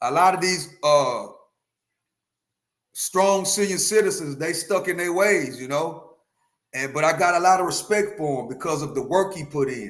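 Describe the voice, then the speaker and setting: A man with high pitch speaks at a moderate pace with ordinary pitch variation. Long, frequent pauses break his speech, and audible room echo surrounds it. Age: 50s. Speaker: live streamer. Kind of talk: casual live stream commentary. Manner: halting, repetitive.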